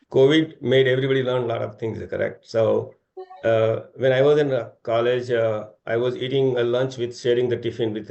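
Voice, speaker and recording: A man's voice: on the low side, creaky, dark tone. A middle-aged man with an Indian accent, answering investor questions informally as a company executive in a rambling way, often seeking agreement with tag questions.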